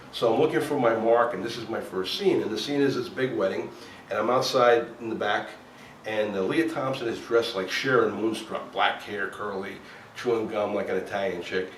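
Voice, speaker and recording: A man who is a former cop turned actor, from New Jersey, telling stories in a casual chat and acting out what people said. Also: mid-range voice. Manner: animated storyteller acting out quotes. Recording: echoey room, voice a bit far from the mic, faint background noise.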